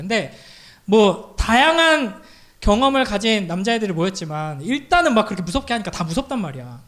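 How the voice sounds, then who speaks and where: High-voiced, animated male youth pastor. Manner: animated storytelling, acting out quoted voices. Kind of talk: youth sermon with storytelling.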